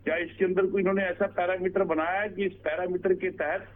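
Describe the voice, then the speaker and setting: A man's voice: sits high, level tone, fairly quick. A man arguing as a debate guest over a remote line, piling up rhetorical questions. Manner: rhetorical questions, repetitive emphasis. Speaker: political panel guest. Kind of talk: argumentative TV debate. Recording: tinny phone-like line with noise.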